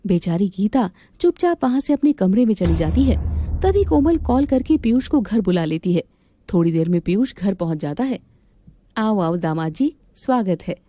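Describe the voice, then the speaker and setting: A woman's voice: mid-range voice, very animated, moderate pace, dark tone, a little hiss or hum. Woman narrating a cartoon story.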